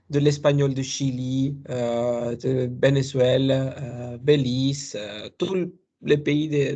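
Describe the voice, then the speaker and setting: Gravelly, husky man teaching French. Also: medium pitch, darkish tone. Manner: explains patiently, imitates accents, halting with many fillers. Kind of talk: tutoring in French and Spanish.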